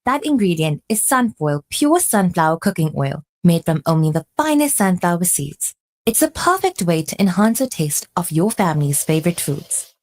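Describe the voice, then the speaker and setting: A woman voicing a scripted radio advert in a smooth, inviting read. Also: lowish voice, big pitch swings, moderate pace. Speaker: commercial voice-over.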